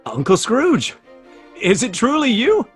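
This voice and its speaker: An actor playing a hospitable younger nephew hosting a party, effusive and welcoming, in a theatrical radio play. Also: male voice, very high voice, wildly swooping pitch, takes it slowly, a bit bright, breathy edge, faint music behind, exaggerated voice. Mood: delighted welcome.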